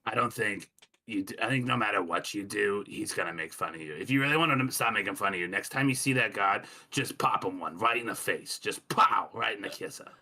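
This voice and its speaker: A man's voice: fairly low pitch, a little fast, sharp tone, full character voice. A man playing a brusque, condescending male safety inspector who blusters and talks down, with frequent ums. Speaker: player. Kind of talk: tabletop game role-play.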